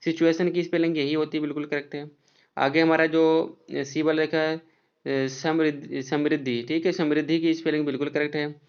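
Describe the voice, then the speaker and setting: A man's voice: a little high, level tone, a little fast, clean tone. Man teaching spelling, lo-fi. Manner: spells words out letter by letter, repeats "ठीक है". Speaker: exam prep teacher. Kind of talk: explaining spelling questions.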